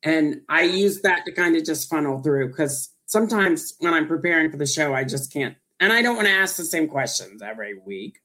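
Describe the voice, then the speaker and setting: A woman with a Southern US accent, hosting a casual chat show and telling a lively story. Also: low voice, fairly quick, hardly any pauses. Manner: animated storyteller acting out quoted dialogue. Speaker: podcast host.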